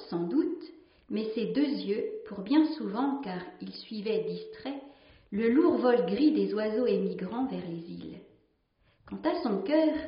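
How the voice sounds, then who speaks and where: Woman reading a story in an echoey room. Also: medium pitch. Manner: gentle, hesitant with fillers when speaking freely. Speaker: nun reading a story to listeners. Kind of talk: story reading and spiritual reflection. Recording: roomy, slightly dull recording.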